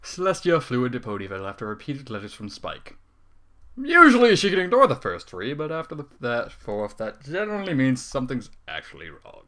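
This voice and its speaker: A man's voice: mid-range voice, wildly swooping pitch, brisk, pushed and bright. A man reading a comic fan story aloud as a dramatic narrator. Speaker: story reader.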